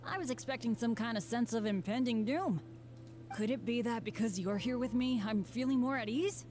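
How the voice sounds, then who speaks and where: An eager teenage boy adventurer from a video game, acted by a woman, pitched fairly high. He sounds boyish and earnest, quick to put himself down and a little hesitant. Game music plays clearly behind him. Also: darkish tone, natural voice. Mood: excited.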